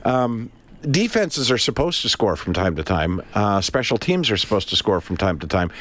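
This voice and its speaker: A man's voice: lowish voice, very animated, moderate pace, fairly bright tone. A man co-hosting a radio show, talking sports in a wry, chatty way while he has a cold. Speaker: radio co-host. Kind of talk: casual sports chat.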